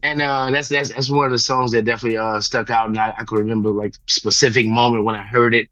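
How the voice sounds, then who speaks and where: A man in his thirties from Louisiana with a raspy voice, chatting casually and reflectively as an interview guest. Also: mid-range voice, level tone, fast, fairly bright tone, no echo. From Louisiana, United States.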